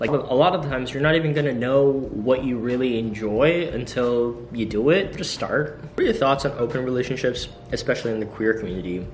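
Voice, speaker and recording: Over background music and with audible room echo, a man talks at a fairly quick pace and medium pitch, with ordinary pitch variation and hardly any pauses. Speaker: YouTuber and small business owner. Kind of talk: casual Q&A vlog. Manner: casual, filler-heavy.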